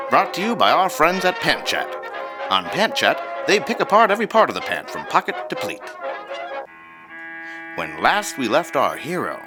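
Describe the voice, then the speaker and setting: A man's voice: mid-range voice, close to an everyday voice, rough recording. A man playing a grandly earnest old-time radio announcer and mystery narrator, with a theatrical, proclaiming delivery. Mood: suspenseful, grave.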